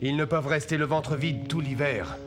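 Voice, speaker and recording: A man playing a grave, wise tribal chief and protective father in a French-dubbed cartoon, speaking in a solemn, measured way. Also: fairly high pitch, close to an everyday voice. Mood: firm, reasoning. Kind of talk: dubbed animated film acting. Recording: music behind the voice.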